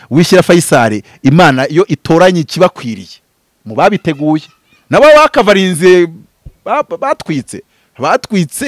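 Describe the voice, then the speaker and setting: A man in his thirties from Rwanda, a pastor speaking in an impassioned, preaching style, swinging from loud bursts to low murmurs. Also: no echo. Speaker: pastor and prophet. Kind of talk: animated preaching-style interview talk. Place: outdoors before green foliage. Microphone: handheld mic held close.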